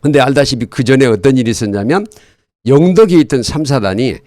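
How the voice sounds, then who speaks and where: Older male expert guest for an interview: earnest, halting explainer, animated intonation, dry close sound. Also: medium pitch, no room sound. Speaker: guest, retired army colonel and military history author.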